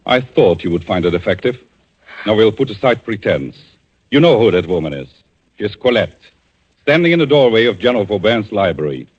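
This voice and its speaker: A man playing a calm, vengeful avenger in a 1940s radio drama, speaking in a measured, theatrical way on a dull old broadcast recording. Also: fairly low pitch, breathy edge. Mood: accusing.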